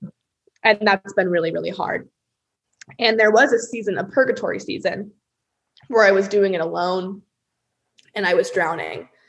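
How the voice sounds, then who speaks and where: A woman's voice with vocal fry and long, frequent pauses. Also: medium pitch for a woman, ordinary pitch variation, moderate pace. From US West Coast, San Diego. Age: 20s. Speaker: adoptive mother and photographer. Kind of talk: interview conversation. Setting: video call.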